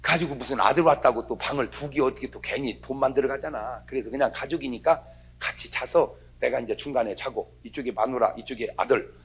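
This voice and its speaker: A middle-aged male pastor giving a humorous revival sermon, telling stories with lively acted-out voices and a husky tone. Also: medium pitch, fairly quick. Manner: animated storytelling, acts out quoted voices with dialect.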